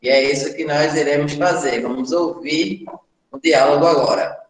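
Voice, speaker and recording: A man's voice: a little high, normal speed. A young man with a Brazilian Portuguese accent teaching an English class over a video call, patient, repeating sentences for students. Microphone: laptop video call. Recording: echoey room.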